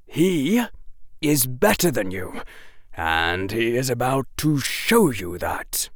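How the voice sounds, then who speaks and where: A man voicing a stern, mocking male defense professor, speaking slowly and coldly. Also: mid-range voice, big pitch swings, pitched above the performer's own voice. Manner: slow, cold and taunting.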